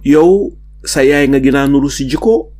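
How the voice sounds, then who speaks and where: A man hosting a radio interview, asking lively questions and calling out his guest's name. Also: mid-range voice, normal speed, a little hiss or hum. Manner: lively, calls the guest's name with sharp rises. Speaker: radio host. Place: radio studio.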